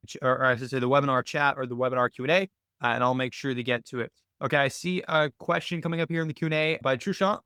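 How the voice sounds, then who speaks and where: A man with a clear, slightly higher-set voice hosts a live online tutorial. He walks through settings in an explanatory way, posing questions and answering them. The sound is close and dry. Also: pushed and bright, no echo. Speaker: webinar host teaching options trading bots. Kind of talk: live screen-share Q&A walkthrough.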